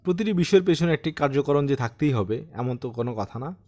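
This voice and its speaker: A man's voice: mid-range voice, animated, quick pace, warm tone, close to an everyday voice. A man voicing a talkative, bookish retired old widower in an audiobook, courteous, insistent and conversational. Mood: eager, courteous.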